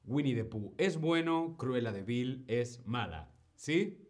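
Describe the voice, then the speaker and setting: A man teaching Spanish on a live stream, speaking slowly and deliberately, repeating words and often checking in with the viewers. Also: mid-range voice, animated, a little hiss or hum. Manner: answers viewer questions from chat. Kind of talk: live-streamed language lesson.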